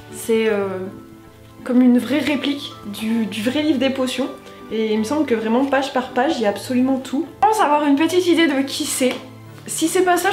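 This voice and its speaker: A woman vlogger talks through her unboxing with chatty enthusiasm. Her voice sits high, and the room around her rings with a noticeable echo. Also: darkish tone. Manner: chatty, enthusiastic, reads a letter aloud. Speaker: youtuber. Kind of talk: casual vlog unboxing. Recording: roomy echo.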